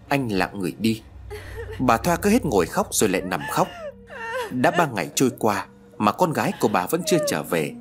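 Expressive male storyteller, faint music. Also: medium pitch. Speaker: narrator. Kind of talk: storytelling narration.

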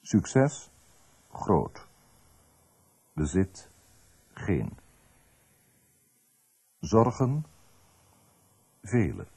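Man, very slow terse narration, dry close sound, swooping intonation, radio presenter. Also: deep voice, huge pitch swings, gravelly, a little mellow, slightly rough, dry recording. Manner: terse, pausing between item and answer. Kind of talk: scripted narration, clipped list of facts.

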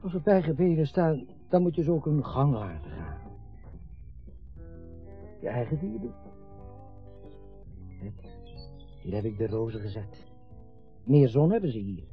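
A man's voice: mid-range voice, big pitch swings, unhurried, long pauses. A man acting in a radio drama, playing a chatty, eager middle-aged father proudly showing off his home. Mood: proud, relaxed. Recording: muffled radio play recording, faint music.

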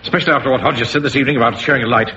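An actor playing a pompous, flustered middle-aged Home Guard captain in an English sitcom, brisk and officious in his speech. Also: mid-range voice, steady tone, lightly acted. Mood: taken aback. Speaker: comedy actor. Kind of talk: 1970s British sitcom acting. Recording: dull, noisy old broadcast sound.

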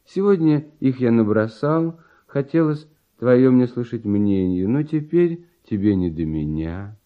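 An actor playing a cheerful, carefree genius composer in a verse radio play, with light-hearted, expressive theatrical delivery. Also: male voice, mid-range voice, measured pace, natural voice. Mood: modest, hesitant. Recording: dull vintage radio play recording, music behind.

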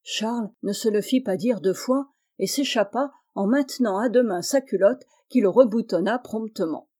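A woman narrating a classic children's novel as an audiobook, clear and measured. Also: mid-range voice, dark tone. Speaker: audiobook reader.

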